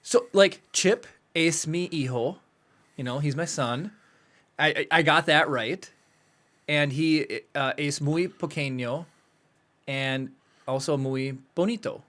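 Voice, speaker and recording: A man with a slightly higher than usual voice talks through a podcast in loose, animated chat. He laughs often and jumps quickly between thoughts. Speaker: podcast co-host. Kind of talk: casual chat. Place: home studio podcast set.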